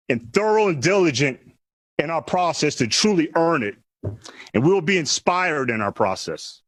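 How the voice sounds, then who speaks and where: Measured man at a dry podium mic. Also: on the high side, fairly bright tone, no room sound. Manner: measured, emphatic, repeats key phrases. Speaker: general manager. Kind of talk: press conference speech.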